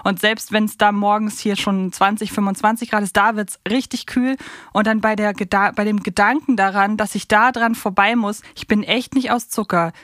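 A woman's voice: mid-range voice, fairly even intonation, normal speed, a bit bright, dry recording. A woman in her early thirties chatting casually as a podcast co-host in a studio. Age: 30s. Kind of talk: casual chat.

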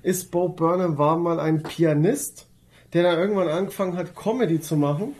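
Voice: medium pitch, moderate pace, a little mellow, slight background noise. A podcast co-host, chatting casually and often groping for words while reviewing series.

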